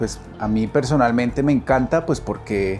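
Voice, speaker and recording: Faint background music beneath a man's moderate pace. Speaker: voice actor. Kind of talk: casual talk to camera. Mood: warm, fond. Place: office.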